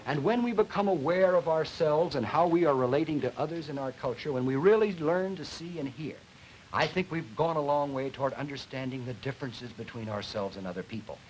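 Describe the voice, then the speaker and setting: A man giving an explanatory educational lecture in an emphatic, deliberate, didactic way, as a linguistics lecturer. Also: on the high side. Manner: emphatic, deliberate, didactic, stressing key words. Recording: noisy 1950s educational film soundtrack.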